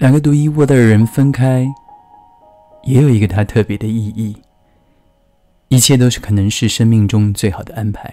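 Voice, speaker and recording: A man's calm, medium-pitched voice at a moderate pace, with ordinary pitch variation and long, frequent pauses over music in the background. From Taiwan. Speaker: author and storyteller reading his own picture book aloud. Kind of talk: picture-book reading aloud, storytelling narration. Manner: reflective, calm intro to camera.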